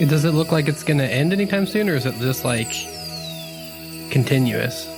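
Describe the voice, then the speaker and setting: A man's voice: fairly high pitch, expressive, moderate pace. A man playing a tabletop game with friends, talking casually in character in a hesitant, rambling, slangy way. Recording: music playing under the voice.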